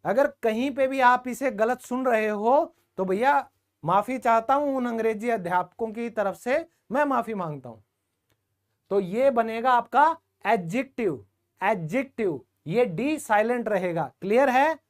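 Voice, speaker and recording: A man's voice: very high-pitched, lively intonation, measured pace. A man teaching English grammar in a live online class, speaking in a colloquial, jokey way and talking directly to his students.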